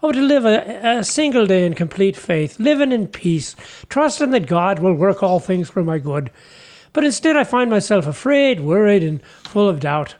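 An actor playing a humble, folksy fisherman apostle in a comic radio sketch, earnest and chatty, halting over his words. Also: sits high, big pitch swings, darkish tone. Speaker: guest character.

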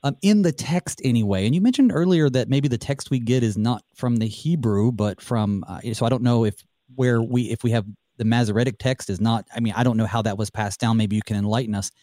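Male Bible study host, calm and measured questioner, warm dark tone, dry studio. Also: medium pitch, dry recording.

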